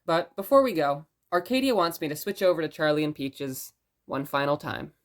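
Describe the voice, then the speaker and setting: A woman acting as a gentle radio host in an audio drama, telling stories in a musing, conversational way. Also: low voice, very animated, normal speed. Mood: rambling, musing. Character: rambling, gentle blind radio station host.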